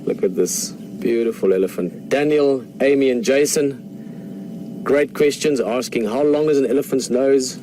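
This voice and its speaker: A man's voice: mid-range voice, unhurried, mellow, low-quality recording. A man with a South African accent, an Afrikaans speaker, giving enthusiastic live safari commentary from an open vehicle, chatting to viewers. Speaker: safari guide. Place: outdoors, open game-drive vehicle in the bush. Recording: outdoor noise, vehicle and birds.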